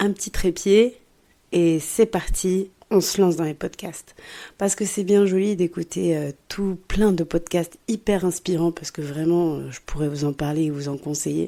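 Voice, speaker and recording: A woman's fairly low voice with a dark, mellow tone at a fairly slow pace, on a very clean recording with a silent background. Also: ordinary pitch variation. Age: 30s. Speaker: podcast host, life coach in training. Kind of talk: casual monologue podcast. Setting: on a weekend trip, new microphone on tripod. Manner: casual, hesitant with fillers.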